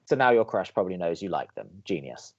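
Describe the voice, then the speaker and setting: A man acts out a young, sardonic college radio co-host in a podcast drama. His voice sits fairly low, and he delivers advice with dry skepticism and fussy precision. The sound is a little dull. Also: very animated, fast talker, darkish tone. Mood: exasperated, sarcastic. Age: young adult. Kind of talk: scripted audio drama banter.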